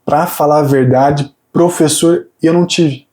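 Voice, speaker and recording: A man's voice: fairly high pitch, fairly even intonation, unhurried, a little mellow. A man in his thirties, a fitness coach, talking earnestly about his path with many hesitant restarts. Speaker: fitness coach and PhD student guest. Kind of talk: casual interview chat.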